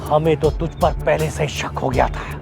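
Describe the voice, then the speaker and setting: Brief: a menacing sitcom murderer, high-pitched, over music. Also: male voice, level tone, vocal fry. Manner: menacing, drawn-out threats. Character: guilty middle-aged male murderer, menacing. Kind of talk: TV sitcom acting. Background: background music.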